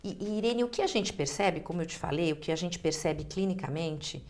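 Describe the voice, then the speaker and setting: A woman's voice: lowish voice, brisk, darkish tone. Brazilian woman, emphatic clinical explainer. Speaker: guest dentist, orthodontist.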